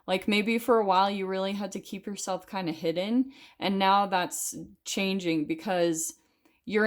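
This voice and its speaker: A woman giving a casual tarot reading straight to her viewers. She talks loosely, with plenty of fillers and the odd casual swear. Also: medium pitch. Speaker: tarot reader.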